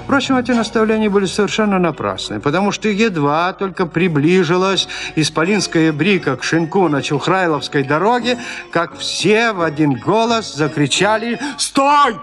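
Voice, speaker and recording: A man narrating a classic story in a radio play, in an expressive, theatrical storytelling manner. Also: sits high, moderate pace, faint music behind.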